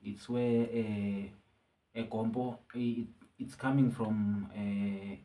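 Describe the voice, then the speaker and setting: A man with a South African accent, a musician being interviewed, talking casually with frequent pauses and restarts. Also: lowish voice. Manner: relaxed, halting with many restarts. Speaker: musician guest. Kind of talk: casual interview, code-switching.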